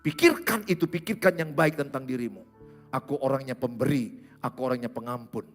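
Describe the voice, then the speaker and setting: A man, a pastor preaching a sermon in a church hall, animated and given to sudden loud exclamations. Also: mid-range voice, a little fast, faint music behind.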